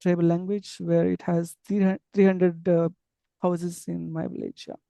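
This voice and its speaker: A man's voice: sits high, level tone, measured pace, vocal fry, warm tone, no room sound, clean studio sound. A man with an Indian English accent, from Andhra Pradesh, whose first language is an unwritten tribal language, answering interview questions in a casual, hesitant way with many fillers and restarts. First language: tribal language without a script. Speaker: interview guest, English teacher abroad.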